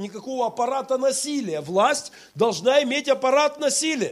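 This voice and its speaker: A man talks in an animated tone at an extremely high pitch. He keeps a moderate pace. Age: 40s. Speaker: pastor. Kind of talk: sermon.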